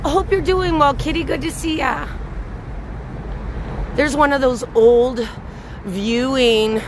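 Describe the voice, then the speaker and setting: A slightly hoarse woman chatting with her viewers as she walks a city bridge at night, greeting them by name. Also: sits high, fairly even intonation, slow pace. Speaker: livestream host. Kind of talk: live walking vlog chatting with viewers. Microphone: handheld camera on a gimbal. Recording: outdoor street recording with clear traffic noise. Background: traffic noise.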